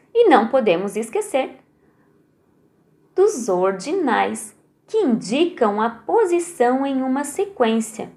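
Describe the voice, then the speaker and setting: A Brazilian woman teaches a recorded lesson to young pupils, taking her time and leaning hard on each word. Her voice sits fairly high and moves up and down with plenty of life. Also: darkish tone. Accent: Brazilian Portuguese. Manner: slow, careful delivery that stresses each word for children.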